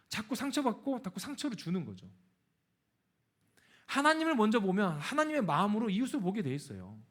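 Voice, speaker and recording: A middle-aged man preaching a sermon as a pastor, telling a personal story and acting out the quoted lines. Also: high voice. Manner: animated, acts out quoted dialogue. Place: church sanctuary.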